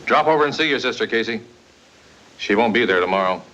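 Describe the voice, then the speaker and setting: An actor playing a stern lawman who speaks in a flat, menacing way. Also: on the low side, quick pace. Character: stern man of the law, cold and pressing. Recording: dull old film soundtrack with faint noise.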